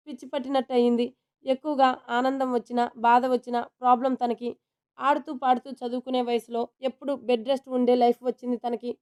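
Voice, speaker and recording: A man's voice: very high-pitched, darkish tone, smooth. A woman voicing Adi, an anguished young man. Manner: pleading and heated, confessional. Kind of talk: storybook reading.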